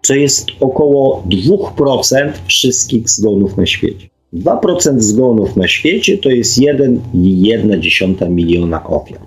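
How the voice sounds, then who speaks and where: A man's voice: lowish voice, animated, unhurried, rough recording. A man hosting a radio monologue, hesitantly reading out figures and repeating them for emphasis. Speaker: radio show host.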